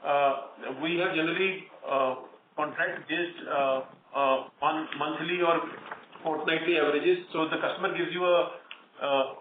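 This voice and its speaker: A man with an Indian accent answers questions as an executive on an investor call. His voice is on the higher side and he speaks haltingly, doubling back on words. The phone sound is thin and echoey, as if he sits away from the microphone. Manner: hesitant, halting, repeats words. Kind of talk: earnings conference call answers. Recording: tinny phone line, roomy echo, distant, noisy.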